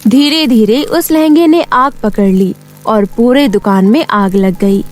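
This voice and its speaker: A woman's voice: on the high side, unhurried, a little mellow. A woman reading scripted narration for a cartoon moral tale, in a storyteller's style. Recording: music behind the voice.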